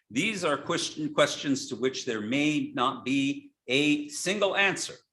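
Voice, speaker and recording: Against a quiet background, a man speaks at a fairly slow pace with lively intonation. His fairly high voice carries vocal fry. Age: 60s. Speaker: rabbi. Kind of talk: sermon. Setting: synagogue service, streamed.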